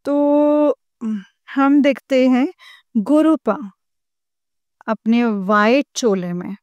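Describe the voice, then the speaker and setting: A woman telling her dream to a spiritual congregation, mixing English words into Hindi, with slow pauses and hesitations. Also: high voice, darkish tone, smooth, no room sound, dull audio. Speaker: devotee sharing a dream experience. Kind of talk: personal testimony to a spiritual congregation.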